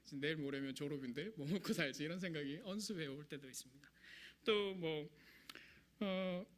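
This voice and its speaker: A man's voice: high voice, pushed and bright. A young man preaching a sermon in a conversational, self-deprecating way, speaking with a regional Korean dialect. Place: church sanctuary.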